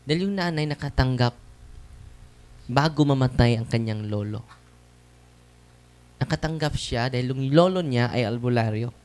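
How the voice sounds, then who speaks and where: A man's voice: medium pitch, normal speed, pauses often, darkish tone. A man, a Catholic priest, giving a conversational testimony sermon to a seated audience, often tossing tag questions back at them. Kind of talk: preaching testimony to a live audience. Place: church or hall with seated audience.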